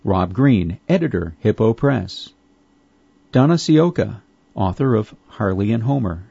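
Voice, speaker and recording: A man reading a magazine article aloud as scripted narration, in a measured, formal way with steady phrasing. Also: fairly low pitch, gravelly, husky, dry recording. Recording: dull lo-fi recording.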